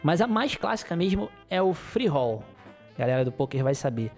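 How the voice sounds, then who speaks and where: A man's voice: fairly high pitch, sing-song, moderate pace, a little mellow, soft background music. A man, hosting a casual solo podcast in a rambling, chuckling, playfully griping way. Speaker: podcast host.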